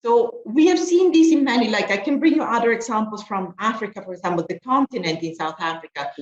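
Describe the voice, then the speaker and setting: A woman's voice: fairly high pitch, expressive, brisk. A woman speaking as a panelist, often searching for words and restarting phrases. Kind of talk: panel discussion answer. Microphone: video call. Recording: echoey, dull lo-fi video call audio.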